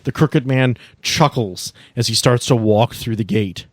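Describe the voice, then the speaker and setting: A man's voice: medium pitch, a little slow, no room sound, clean studio sound. A man running a tabletop game on a podcast, narrating the action and making rulings in a casual way. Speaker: game master of an actual-play podcast.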